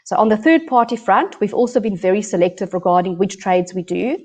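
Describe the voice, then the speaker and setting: A middle-aged South African woman presenting company financial results in a measured, businesslike way. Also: medium pitch, a little mellow. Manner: measured, businesslike, some fillers. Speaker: chief financial officer.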